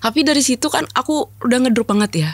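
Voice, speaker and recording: A young adult woman candidly telling a personal testimony to an interviewer, in a frank, unhurried way. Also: on the high side, lively intonation, dry recording. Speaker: guest sharing a personal testimony. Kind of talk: candid conversational storytelling.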